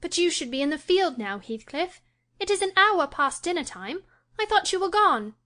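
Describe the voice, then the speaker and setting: A spoiled, peevish teenage girl speaks petulantly, as a woman reader puts her on. Her voice sits high and swoops about, full of lively changes in pitch. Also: normal speed, heavily acted.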